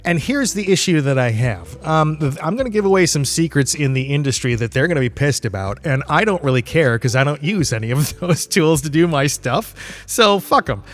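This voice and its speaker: A man's voice: a little high, very animated, normal speed, faint music behind. A man hosting a solo podcast, talking in a casual, rambling, candid way with loose swearing and chuckles mid-sentence. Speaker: podcast host.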